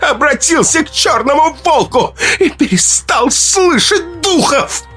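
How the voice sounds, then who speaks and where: A man's voice: expressive, measured pace, pushed and bright, faint music behind, heavily acted. Man doing a shrieking furious tribal mother. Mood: hysterical. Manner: shrill, screaming accusations. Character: frantic furious mother, tribal herbalist woman.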